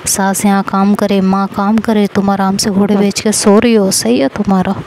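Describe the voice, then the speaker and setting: A woman's voice: medium pitch, level tone, normal speed, a little mellow, slight background noise, close to an everyday voice, rough recording. A woman storyteller voicing a teasing, doting middle-aged mother-in-law who scolds and then fusses. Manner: scolding then fussing, affectionate.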